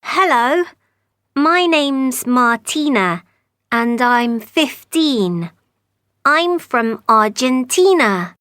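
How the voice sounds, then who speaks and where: A woman voicing a young schoolgirl introducing herself in scripted learner audio, slow and clearly articulated. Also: high voice, lively intonation, fairly bright tone, dry recording, clean studio sound, exaggerated voice. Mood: friendly. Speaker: voice actor in textbook audio.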